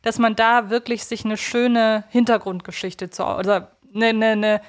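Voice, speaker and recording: A woman's voice: fairly high pitch, level tone, a little slow. A woman co-hosting a casual podcast, thinking aloud in a reflective way. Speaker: podcast co-host. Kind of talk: casual conversational podcast discussion.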